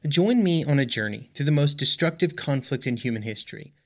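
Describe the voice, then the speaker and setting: A man's voice: mid-range voice, expressive, a little fast. Man reading an earnest podcast promo. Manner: earnest, sweeping promotional delivery. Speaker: podcast host promoting his show. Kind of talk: scripted promo read.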